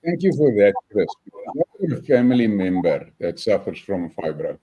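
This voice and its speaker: A South African man hosting a casual interview, speaking haltingly with fillers. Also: on the low side, big pitch swings, mellow, slightly rough, highs cut off. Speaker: host.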